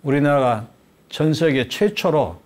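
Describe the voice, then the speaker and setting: A man's voice: a little high, unhurried. Older guy lecturing on a studio talk show, keeps asking then answering his own questions, emphatic teacher vibe, voice goes up and down a lot. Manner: poses rhetorical questions then answers them; lively, emphatic teacherly delivery. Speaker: guest expert lecturer.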